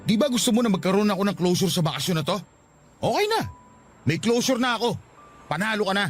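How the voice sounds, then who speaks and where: Isang lalaking gumaganap sa dramang pag-ibig sa radyo bilang nasaktan at mapait na batang nobyong iniiwan, puno ng panunumbat. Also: male voice, sits high, expressive, fast talker, faint music behind. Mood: wounded, reproachful. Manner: wounded, reproachful. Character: hurt, bitter young boyfriend being dumped. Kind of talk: radio romance drama acting.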